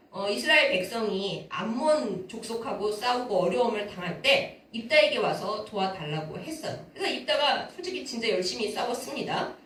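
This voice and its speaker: A woman pastor preaching a sermon, telling the story in a lively way with asides to the congregation. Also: sits high. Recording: roomy church hall, mic far off.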